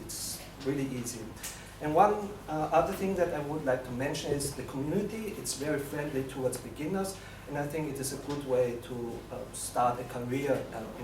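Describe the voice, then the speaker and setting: A young man with an Austrian accent gives a live technical presentation in a halting, hesitant way. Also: a little high. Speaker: bootcamp graduate presenting a project. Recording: echoey room, distant mic, noisy.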